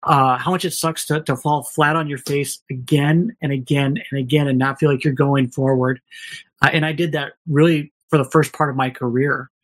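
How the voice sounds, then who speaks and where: A man's voice: medium pitch, fairly even intonation, moderate pace. Candid man telling stories on a podcast. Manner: candid, rambling, many restarts and quoted dialogue. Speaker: podcast guest. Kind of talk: casual storytelling.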